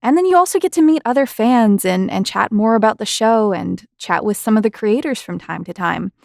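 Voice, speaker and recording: A woman's voice: a little high, lively intonation, fairly quick, gravelly, darkish tone, dry recording. Dry-sounding woman hosting a podcast. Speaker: podcast host, interviewer. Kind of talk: podcast interviewing and sign-off.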